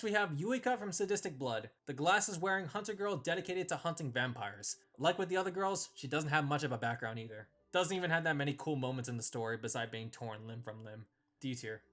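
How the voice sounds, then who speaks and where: A man's voice: fairly high pitch, fairly bright tone. A man hosting a ranking video, delivering scripted, opinionated commentary with emphatic phrasing. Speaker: host ranking visual novel characters.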